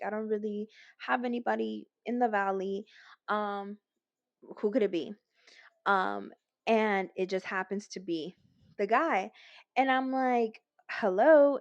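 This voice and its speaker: A young woman vlogger with a mid-range voice and a Los Angeles Latina accent, mixing in Spanish, tells a casual storytime. She is animated, acts out quotes and uses lots of fillers, and the lo-fi recording has no room sound.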